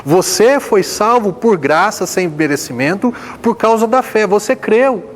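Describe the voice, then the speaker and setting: A man preaching a sermon as pastor, firing rhetorical questions and swinging between loud emphasis and hushed passages. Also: high voice, animated, unhurried, a little hiss or hum.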